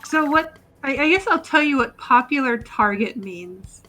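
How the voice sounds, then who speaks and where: A woman's voice: high-pitched, animated, unhurried, sharp tone, soft background music. Patient woman coaching a gamer. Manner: patient, instructive, laughs often. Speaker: experienced player coaching a newcomer. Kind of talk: casual game stream chat.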